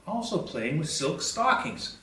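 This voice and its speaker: A man's voice: fairly high pitch, big pitch swings, measured pace, pushed and bright. A man hosting a history podcast, talking in a conversational, colloquial and emphatic way as he gives a commentary. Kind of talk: animated commentary with newspaper headlines read aloud. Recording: echoey room, distant from the mic.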